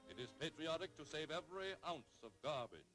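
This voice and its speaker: Old 1930s newsreel narrator, male, slightly high voice, dramatic and emphatic, faint music underneath. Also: animated. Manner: dramatic, emphatic announcing with measured pauses.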